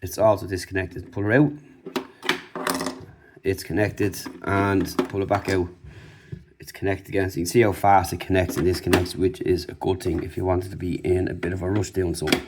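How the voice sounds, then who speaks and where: Low-voiced man doing a casual product review. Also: flat delivery, brisk, noisy background. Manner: informal, off-the-cuff demonstrating. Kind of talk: casual unboxing and review commentary.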